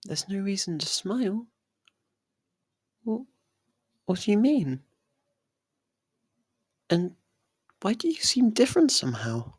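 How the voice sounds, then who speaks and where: A performer voicing a possessive, lovestruck young faerie royal in an intimate ASMR roleplay, speaking softly and haltingly. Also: medium pitch, big pitch swings, slightly rough, dry recording, heavily acted. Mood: hesitant, defensive. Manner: hesitant, halting, soft and pleading.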